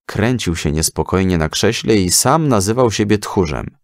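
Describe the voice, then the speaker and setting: Low-voiced man narrating, very animated. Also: normal speed, no echo, studio quality. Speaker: storyteller. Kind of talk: scripted children's story narration.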